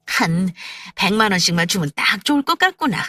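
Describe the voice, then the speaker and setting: Lady doing a sharp-voiced bossy mother-in-law, nags and orders, bouncy pitch, faint music behind. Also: very animated, brisk, dry recording, studio quality. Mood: demanding. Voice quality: sharp, piercing voice. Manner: scolding, demanding. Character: shrill, overbearing older mother-in-law.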